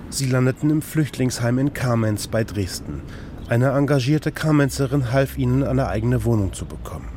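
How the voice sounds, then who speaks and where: A man's voice: medium pitch, warm tone, a little hiss or hum. Man narrating a radio report.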